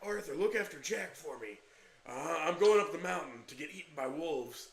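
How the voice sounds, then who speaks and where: A man does a put-on character voice that sounds strained, high-pitched and fairly quick in pace. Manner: strained, pained.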